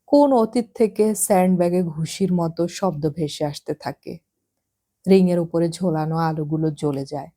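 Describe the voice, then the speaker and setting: A woman narrating a literary novel as an audiobook. Her voice sits low and mellow, and she reads in a measured, reflective way.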